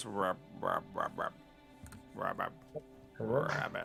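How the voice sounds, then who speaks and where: A man's put-on character voice at a very slow pace over clear background noise. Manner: croaking, comical.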